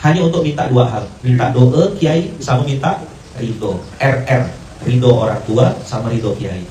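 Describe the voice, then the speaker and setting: Telling a story during a relaxed morning sermon, this Indonesian male preacher performs the dialogue himself and mixes in Arabic and English. His voice is mellow and medium-pitched at a normal speed, captured by a roomy, distant mic with faint ambience and a little hiss or hum.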